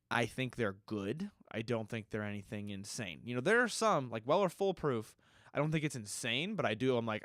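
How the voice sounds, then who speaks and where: A man's voice: fairly low pitch, no echo, studio quality. A man hosting a solo podcast, answering listener questions in a loose, rambling way and often correcting himself, his nose a little stuffy. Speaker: podcast host.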